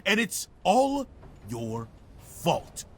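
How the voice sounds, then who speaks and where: A gravelly, sneering older villain. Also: male voice, high-pitched, wildly swooping pitch, very slow, heavily acted. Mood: scornful. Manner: sneering, mocking, shouting. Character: menacing older man, scornful and bitter.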